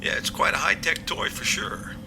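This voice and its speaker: A man playing a confident police captain in an amateur audio drama, explaining things in a measured, matter-of-fact way. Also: background noise, lightly acted. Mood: reassuring.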